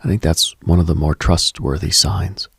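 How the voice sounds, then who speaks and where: Late-night radio host, male, very husky with gravelly fry, contemplative, halting delivery, intimate reflective monologue. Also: low-pitched, fairly even intonation, fairly bright tone, no room sound, clean studio sound. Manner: slow, contemplative, halting with pauses.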